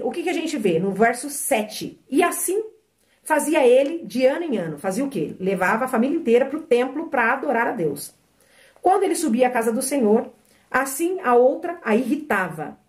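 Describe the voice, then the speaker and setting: High, lively woman preaching. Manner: emphatic and exhortative, asking the listeners questions. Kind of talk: sermon.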